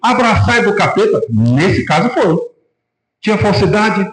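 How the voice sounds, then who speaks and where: Brazilian pastor guy preaching, kinda high voice, lots of room echo. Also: unhurried. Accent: Brazilian Portuguese. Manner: animated preaching, acting out quoted voices. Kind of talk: sermon. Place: church hall. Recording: echoey church room.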